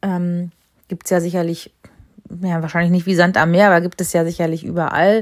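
Recorded dry and close with no echo and a silent background, a woman speaks at a fairly quick pace in a medium pitch. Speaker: podcast host. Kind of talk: casual interview chat.

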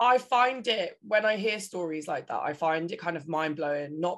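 A woman speaks with a British accent. Her pace is moderate, and the background is quiet. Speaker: podcast host. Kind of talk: casual chat. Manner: fluent, no stammer.

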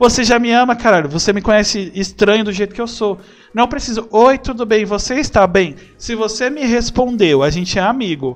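A man's high-pitched voice at a moderate pace. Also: ordinary pitch variation. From Brazil, São Paulo. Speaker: podcast host and streamer. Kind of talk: casual chat. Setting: livestream. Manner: talkative.

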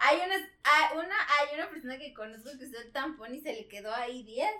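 Raising and projecting her voice, a woman speaks at a fairly quick pace in a high pitch with a bright, sharp tone, lively intonation, and big swings in loudness. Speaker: podcast host. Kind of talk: casual chat.

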